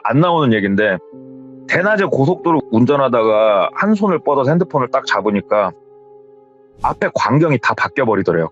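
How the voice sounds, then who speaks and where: A man retelling a scary story in a casual, lively way, full of acted-out quotes, in a slightly dull recording with faint music behind. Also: medium pitch. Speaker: horror story narrator.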